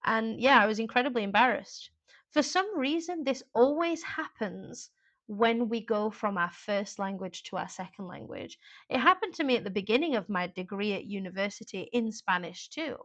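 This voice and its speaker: A woman's voice: medium pitch, animated, moderate pace, a bit bright. A woman teaching an exam class in a chatty, informal live online lesson, with frequent fillers and asides.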